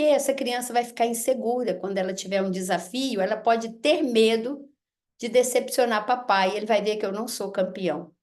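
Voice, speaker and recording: A woman giving a lecture on parenting, who keeps acting out what parents and children say. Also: fairly high pitch. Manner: animated, acts out parent and child lines. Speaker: speaker giving a talk on parenting. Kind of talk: lecture to an audience.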